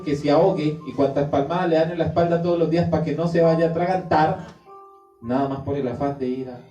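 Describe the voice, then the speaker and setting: Male preacher, emphatic sermon, mellow tone, distant mic, faint music behind. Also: fairly high pitch, reverberant. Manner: emphatic, acts out quoted prayers.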